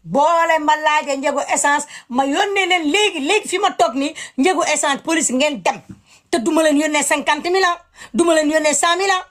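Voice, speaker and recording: A woman's voice: sits high, fairly quick, fairly bright tone. A woman giving impassioned commentary, indignant and emphatic, repeating her words.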